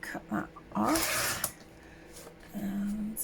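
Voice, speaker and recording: Chatty hoarse woman crafting with a cold. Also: medium pitch, animated, very slow, background noise. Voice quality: gravelly, slightly hoarse. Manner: chatty, rambling, many fillers and self-corrections. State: sore throat from a summer cold. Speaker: craft channel host. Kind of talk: casual crafting tutorial.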